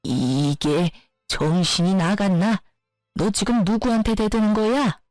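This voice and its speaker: A woman voicing a scornful, bullying older mother-in-law who scolds and insults her daughter-in-law in a lower, slower voice. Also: darkish tone, dry recording, faint music behind, natural voice. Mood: yelling abuse.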